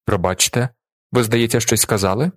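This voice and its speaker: A man voicing a brash, hulking former soldier who talks loud, bossy and mock-polite. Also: medium pitch, moderate pace, no echo, studio quality, close to an everyday voice. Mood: mock-polite threatening. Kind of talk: audiobook character voice.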